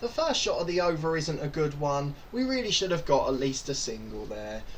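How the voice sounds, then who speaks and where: Speaking fairly quickly with an English accent, a man uses a high pitch over noticeable background noise. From England. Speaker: gaming commentator. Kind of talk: gameplay commentary. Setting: hot room, recording at home. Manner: fast.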